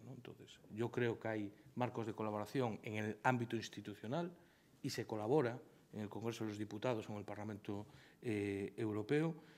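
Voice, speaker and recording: Male speaker, moderate pace, ordinary pitch variation. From Galicia. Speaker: foundation president. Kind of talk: panel discussion. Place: hall. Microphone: podium.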